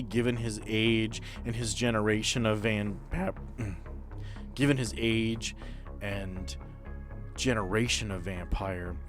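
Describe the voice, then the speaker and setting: A man with a fairly low voice narrates a tabletop role-playing game as its game master. He is deliberate and descriptive, pausing partway through sentences, with soft music underneath. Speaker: game master and host of an actual-play podcast.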